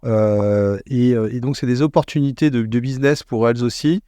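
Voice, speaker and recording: A man speaking as an expert podcast guest in a conversational interview, explaining things in a measured way as he thinks aloud. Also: medium pitch, fairly even intonation, mellow, smooth, no room sound.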